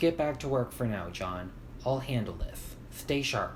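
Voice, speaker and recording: A man's gruff, put-on character voice at medium pitch and moderate pace, with clear background noise behind it. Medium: read story. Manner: gruff, terse.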